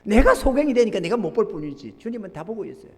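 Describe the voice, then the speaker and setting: A man, a pastor, preaching a sermon, swinging between loud emphasis and low murmured asides. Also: very animated, fast talker. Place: church sanctuary. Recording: long church reverb.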